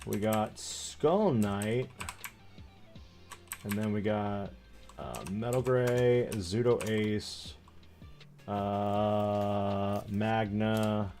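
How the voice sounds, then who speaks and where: A man in his thirties chatting casually on a livestream, rambling and joking in an animated way as he tells stories. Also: fairly low pitch, extremely slow, long pauses, soft background music. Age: 30s. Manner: rambling, animated, jokey storytelling. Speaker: streamer opening trading card packs.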